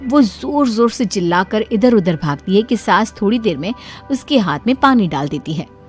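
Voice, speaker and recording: A woman narrating a cartoon family story in a steady storytelling manner. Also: mid-range voice, normal speed, soft background music.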